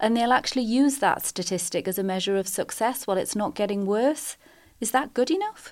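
A woman with an ordinary speaking voice, fairly high in pitch, with ordinary pitch variation, a fairly quick pace and a very clean recording over a silent background. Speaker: podcast host. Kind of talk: interview, structured discussion.

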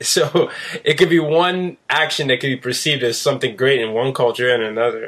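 A man with a slight Nigerian accent speaks at a fairly high pitch. His pace is fairly quick, with ordinary pitch variation. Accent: international English with a hint of Nigerian. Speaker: podcast host. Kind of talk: casual interview.

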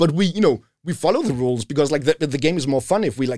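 Speaking at a very fast pace, a man with a Danish accent has a dark, mellow tone. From Denmark. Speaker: lead game designer. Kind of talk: casual chat. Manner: halting.

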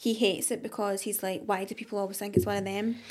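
A woman's fairly high voice, with fairly even intonation, comes across on a very clean recording against a silent background. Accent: Glasgow. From Scotland. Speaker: podcast co-host. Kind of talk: casual chat.

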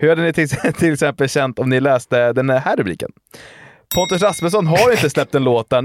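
Very fast, lively speech with a dry, close sound and no echo. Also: man. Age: 20s. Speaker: podcast co-host. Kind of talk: casual chat.

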